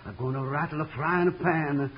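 A man's voice: fairly high pitch, normal speed, close to an everyday voice. An actor playing a fervent immigrant man who dotes on his pet, speaking broken English in an old radio western. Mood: eager coaxing. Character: excitable immigrant man, doting frog owner. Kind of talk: 1950s radio western acting. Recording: noisy, dull vintage radio recording.

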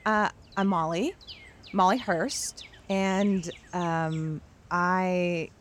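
A woman's voice: on the low side, fairly even intonation, slight background noise. A woman playing a shy, sincere young church camper who talks hesitantly and naturally in an audio drama. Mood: nervous, sincere. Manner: hesitant, many pauses.

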